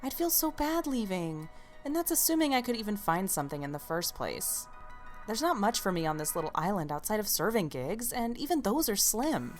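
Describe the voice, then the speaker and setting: A woman playing a brisk, teasing young server chatting with friends in an audio drama. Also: mid-range voice, big pitch swings, faint music behind, natural voice. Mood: resigned.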